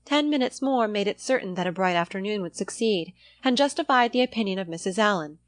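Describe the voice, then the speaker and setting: A woman's voice: mid-range voice, expressive, a little fast, no room sound. A woman reading a classic novel as an audiobook narrator, in scripted storytelling style.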